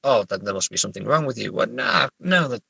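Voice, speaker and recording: A man from England chatting casually as an interview guest, halting and self-correcting, with a wry way of telling stories. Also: medium pitch, sing-song, creaky, sharp tone, breathy edge, no echo. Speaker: horror novelist and therapist guest. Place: sitting in a parked car.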